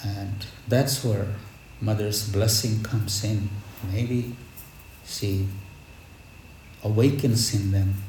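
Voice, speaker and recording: Slow, reverent man preaching in an echoey space. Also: lowish voice, fairly even intonation, darkish tone. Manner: reverent, measured, reflective, with deliberate pauses. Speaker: spiritual teacher leading a devotional gathering. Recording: echoey space with background noise.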